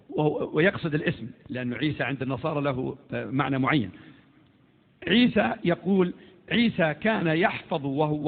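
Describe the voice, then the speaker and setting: A middle-aged man speaking to an audience in an animated storytelling lecture, acting out the dialogue he recounts. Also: on the high side, breathy edge. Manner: animated, acts out quoted dialogue. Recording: phone-like audio in a reverberant hall.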